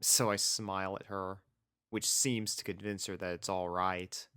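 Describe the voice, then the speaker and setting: A man's voice: low-pitched, level tone, unhurried, pushed and bright, clean tone, dry recording, clean studio sound. A man reading a scripted first-person story as its narrator. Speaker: fan fiction reader and narrator.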